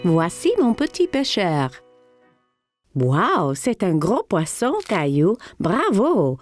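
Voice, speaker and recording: A woman's voice: lowish voice, big pitch swings, slow pace, faint music behind, full character voice. A woman voicing a caring, cheerful mother in a French children's cartoon. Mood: delighted.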